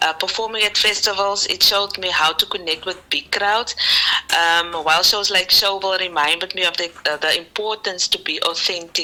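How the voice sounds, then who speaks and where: A woman talks at a moderate pace and medium pitch, with fairly even intonation. Noticeable background noise is present. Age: 40s. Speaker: singer-songwriter. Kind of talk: radio interview. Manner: halting, with fillers.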